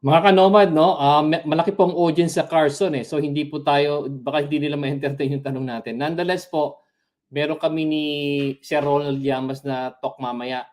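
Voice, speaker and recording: A man's voice: a little high, steady tone, a little fast, darkish tone. A man with a Filipino accent hosting, informally addressing his viewers. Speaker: host.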